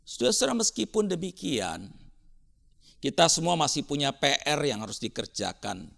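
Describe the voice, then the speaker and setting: Bright-voiced man preaching, high and creaky. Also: huge pitch swings, moderate pace. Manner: rhetorical, emphatic repetition with dramatic rises and drops in delivery. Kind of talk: sermon.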